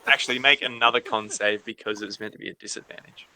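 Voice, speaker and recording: A man's voice: fairly low pitch, steady tone, fast, bright, forceful tone, poor audio. A man acting as game master, casually improvising the narration of a tabletop role-playing game.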